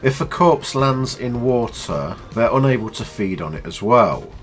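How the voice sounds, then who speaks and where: A man with a stuffy nose from a cold, explaining a video game in a chatty, low-key tutorial. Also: lively intonation, a little slow, faint music behind. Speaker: gaming channel host.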